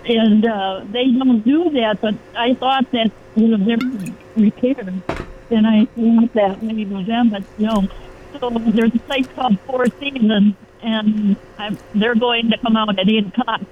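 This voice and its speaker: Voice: medium pitch, a little slow. 92-year-old caller on an underwater-sounding phone. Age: 90s. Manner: worried, rambling. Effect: garbled phone line that sounds underwater. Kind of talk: call-in radio chat. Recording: tinny, noisy, bubbling phone line.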